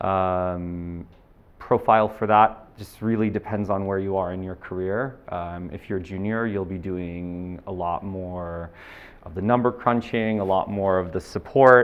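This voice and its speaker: Very deep, low male voice with an American accent, a fairly slow pace and big swings in loudness. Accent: American accent, noticeable. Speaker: private equity professional. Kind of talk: panel discussion. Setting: room with audience. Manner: hesitant, many fillers.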